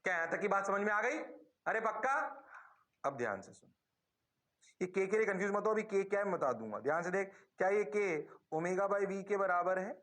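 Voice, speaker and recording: A male physics teacher giving a lesson, coaxing his students with rapid-fire questions that he answers himself and slipping English phrases into his explanations. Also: sits high, animated, fairly bright tone. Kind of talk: classroom lesson.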